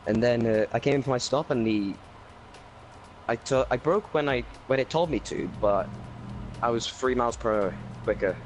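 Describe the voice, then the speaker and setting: A Welsh man talking through his race as a league driver in a casual interview, rambling with many fillers and speeding up when excited. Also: mid-range voice, normal speed, slight background noise. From Wales.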